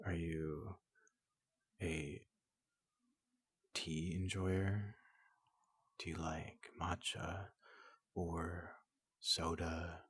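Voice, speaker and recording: A person softly voicing a large, gentle robot doctor in an ASMR roleplay, often whispering, speaking slowly and haltingly to reassure a patient. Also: deep voice, breathy edge, no room sound. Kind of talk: soft-spoken ASMR roleplay.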